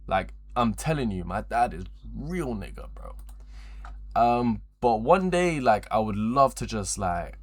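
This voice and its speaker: A twenty-year-old man chats casually with viewers on a livestream, his fairly low voice very animated yet unhurried. His talk rambles and repeats itself, full of slang and frequent swearing.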